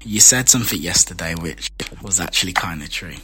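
A man's voice: deep voice, expressive, fairly quick, pushed and bright, slightly rough. A man with a Jamaican accent hosting a podcast, bantering in a playful, teasing way. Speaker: podcast host. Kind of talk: casual flirty banter.

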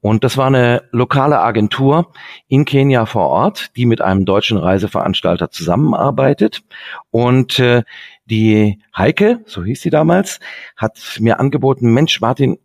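A man's voice: lowish voice, a little mellow, dry recording, studio quality. A man born in Sicily, a travel photographer, chatting through anecdotes in an interview with many fillers. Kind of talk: relaxed interview storytelling.

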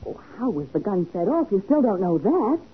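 An actress playing a curious, lightly skeptical American detective's assistant in a 1940s radio drama. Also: female voice, medium pitch, moderate pace, narrow, tinny audio, close to an everyday voice. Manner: inquisitive, expressive, lightly skeptical. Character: curious, questioning young female detective's assistant. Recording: scratchy band-limited 1940s radio recording.

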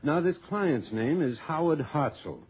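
A precise insurance office manager. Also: male voice, on the high side, expressive, unhurried, slightly rough, heavily acted. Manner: precise, matter-of-fact, slightly gossipy. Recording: tinny phone-like old radio broadcast.

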